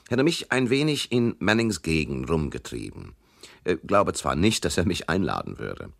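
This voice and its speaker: An actor playing a wisecracking hard-boiled investigator, wry, slangy and offhand, in a radio crime drama. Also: male voice, rumbling low, creaky, a bit bright, full character voice.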